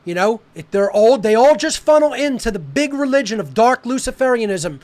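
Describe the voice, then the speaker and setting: A man hosting a podcast, talking alone in an emphatic, denouncing monologue that slows down to stress key words. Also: extremely high pitch, lively intonation, a little mellow. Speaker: podcast host.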